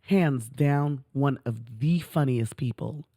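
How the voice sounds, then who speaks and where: A middle-aged woman co-hosts a podcast, chatting casually in an emphatic, effusive way and stretching out words for stress. Her very deep voice is warm and slow, captured in a dry, clean studio recording.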